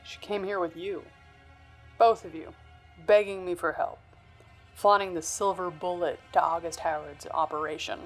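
A tough, doubting woman in a noir audio drama. Her lowish voice is dry, curt and sardonic, set over background music. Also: fairly even intonation, normal speed. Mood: scornful. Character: tough, skeptical, sardonic woman called Mickey.

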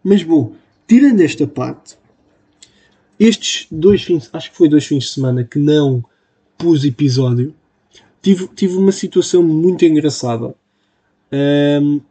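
Rambling young Portuguese man, husky. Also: fairly high pitch, lively intonation, a little slow, warm tone. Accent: European Portuguese. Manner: rambling, self-mocking, full of fillers. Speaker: podcast host. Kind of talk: casual solo podcast monologue. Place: home room at a computer. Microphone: computer mic.

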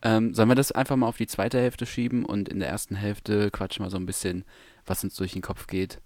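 Hesitant low-voiced man chatting. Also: little pitch movement, fairly quick, darkish tone, no room sound. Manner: hesitant, many fillers and restarts. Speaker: podcast co-host. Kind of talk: casual chat.

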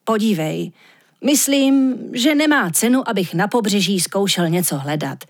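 A woman voicing a timid, cowardly male reindeer in a storybook reading, jittery and quick to take offence. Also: mid-range voice, expressive. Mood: fretful. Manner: jittery, easily startled, indignant.

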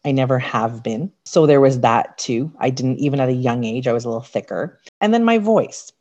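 A woman with a raspy, slightly deep voice, a podcast guest telling candid, reflective stories from her life in casual chat. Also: lively intonation, a little fast, darkish tone. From Canada. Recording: dull lo-fi sound.

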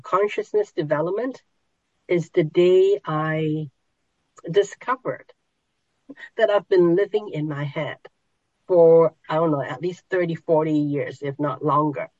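A middle-aged woman teaches a small group at a very slow, unhurried pace, often pausing and restarting as she searches for words. Her voice sits dry and close, with no room around it, on a somewhat dull, muffled recording. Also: low-pitched, darkish tone, no room sound. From Hong Kong. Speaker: podcast host and spiritual teacher.

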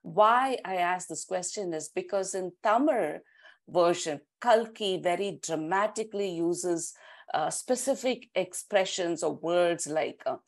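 Woman, interviewer, low voice, engaged, framed questions. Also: measured pace.

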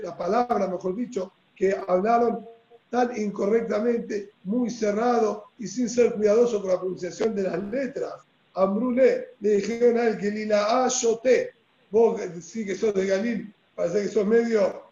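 A man with a Rioplatense Spanish accent teaching a Talmud lesson in a fairly high voice with a dark, mellow tone. He explains step by step and keeps checking that his listeners follow. The recording is dull and lo-fi, with an echoey room around him. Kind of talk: religious text lesson.

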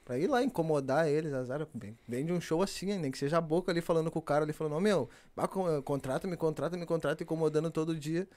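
A young man with a southern Brazilian gaúcho accent, a funk MC guest telling stories in relaxed slang. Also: on the high side, fast, few pauses. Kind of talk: casual chat.

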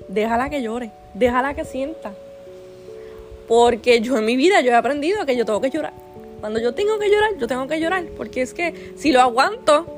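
A woman, telling a personal story in a chatty, rambling way with many restarts and fillers, earnest and faith-minded. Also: sits high. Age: 20s. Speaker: vlogger.

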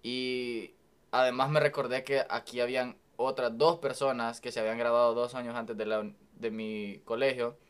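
Salvadoran guy in his 20s, laid back guest on a podcast, smooth clear voice. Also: medium pitch, level tone, moderate pace. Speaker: podcast guest, engineering student. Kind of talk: casual podcast conversation.

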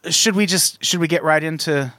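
A man's voice: on the high side, normal speed, sharp tone, no echo, clean studio sound. A man co-hosting a podcast, riffing casually on news stories in a sarcastic, jokey way. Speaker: podcast co-host.

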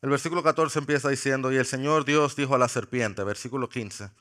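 Bright-voiced pastor preaching. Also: male voice, medium pitch, fairly even intonation. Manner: playful, jokes with the congregation; slows for emphasis on key words. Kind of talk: sermon. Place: church sanctuary.

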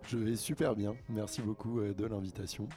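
A man, a guest on a radio show, telling stories in a relaxed, chatty way with fillers. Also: lowish voice, a little fast. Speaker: guest, producer and label manager. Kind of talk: casual radio interview. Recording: music playing faintly behind.

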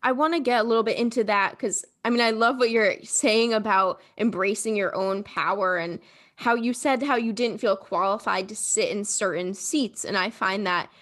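A woman hosting an interview at a middle pitch. She reflects back what her guest has said and warmly asks an open question. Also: normal speed. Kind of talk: conversational interview.

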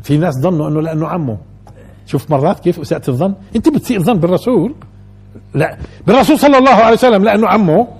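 A man gives a colloquial lesson on scripture, talking quickly in a fairly high, husky voice. He keeps turning to his listeners with rhetorical questions. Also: expressive, darkish tone, soft background music. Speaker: religious teacher.

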